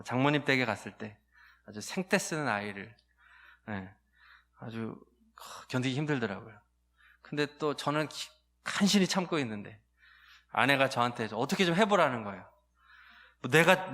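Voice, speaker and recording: A man of forty, a pastor, preaching a sermon and telling a candid personal story, with many hesitant pauses that build into emphatic outbursts. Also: medium pitch, pushed and bright. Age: 40s.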